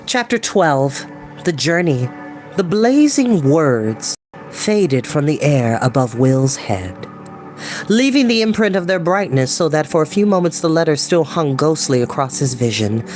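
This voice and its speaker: An expressive, theatrical storytelling host who reads books aloud and chats casually in between. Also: mid-range voice, measured pace. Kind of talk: animated storybook reading with chatty asides. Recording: background ambient music. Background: ambient music.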